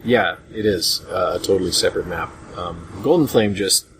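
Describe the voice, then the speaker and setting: A man hosting a casual group discussion about retro games in a rambling, hesitant way, on a low-grade voice chat recording. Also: normal speed, background noise. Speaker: podcast host.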